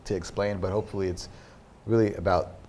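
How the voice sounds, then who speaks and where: A man being interviewed in a studio as an artist, explaining his work in thoughtful, halting sentences. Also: low-pitched, flat delivery, a little mellow, slight background noise. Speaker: artist guest.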